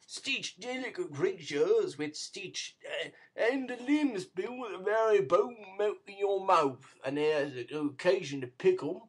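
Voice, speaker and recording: A man's voice: high-pitched, unhurried, hardly any pauses, breathy edge, pitched above the performer's own voice, poor audio. A man voicing a cheeky young male pickpocket in a storybook reading, eagerly boasting. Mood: excited.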